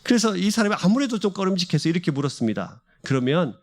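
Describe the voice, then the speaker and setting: A man's voice: sits high, very animated, very fast. A male pastor preaching a sermon at a church service, speaking with passion and piling up repeated phrases. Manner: impassioned, repeats and builds phrases.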